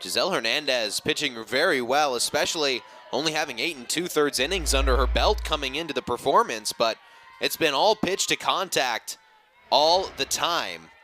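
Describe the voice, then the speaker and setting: A man's voice: mid-range voice, lively intonation, moderate pace, bright, forceful tone, slight background noise. A man giving conversational sports analysis as a color commentator.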